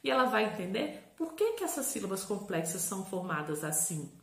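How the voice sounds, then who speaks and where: Woman, psychopedagogue, teacherly explainer, lively intonation, roomy echo. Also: mid-range voice, fairly quick. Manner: lively teacherly explaining, drawing out syllables and spelling aloud. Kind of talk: educational explainer video.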